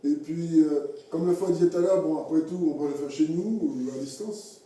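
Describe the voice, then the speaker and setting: A man preaching a sermon in a halting way, repeating words and acting out little everyday scenes. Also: fairly high pitch, dark tone. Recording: echoey hall from far off.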